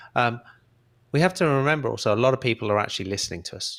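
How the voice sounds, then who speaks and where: Loud and bright, a man speaks in a sharp tone with lively intonation. The recording is very clean with a silent background. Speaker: tech guest on livestream. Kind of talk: casual chat. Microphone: broadcast microphone, close and present.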